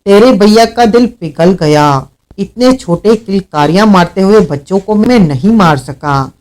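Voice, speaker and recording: A man voicing a vengeful, hot-tempered male outlaw in an audiobook, shouting and snarling his threats. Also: high-pitched, lively intonation, a little slow. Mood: bitter. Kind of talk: audiobook character reading.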